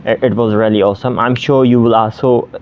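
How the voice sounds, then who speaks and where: A young man from Pakistan, native Sindhi speaker, chats to camera about tutoring online. His medium-pitched voice halts often on fillers and restarts. The audio sounds slightly dull and lo-fi. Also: fairly even intonation, fast talker. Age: 20s. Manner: hesitant, many fillers and restarts. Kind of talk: casual vlog to camera.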